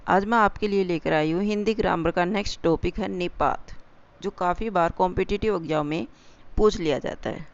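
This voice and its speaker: A woman teaching a grammar lesson, explaining slowly and deliberately and repeating example sentences. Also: on the low side, highs cut off.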